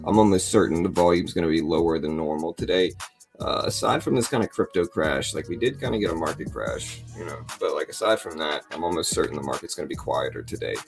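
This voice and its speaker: Deep, gravelly man chatting casually. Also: fast, soft background music. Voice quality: raspy; deep morning voice. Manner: joking, self-deprecating, rambling. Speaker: livestream host. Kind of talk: casual live trading commentary to chat.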